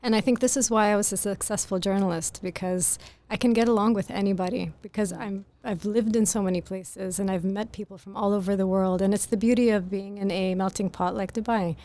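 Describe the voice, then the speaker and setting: A woman author with a very soft voice, answering interview questions in a thoughtful, articulate and earnest way. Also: medium pitch, steady tone, brisk, few pauses. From grew up in Greece. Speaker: author guest. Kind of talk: podcast interview.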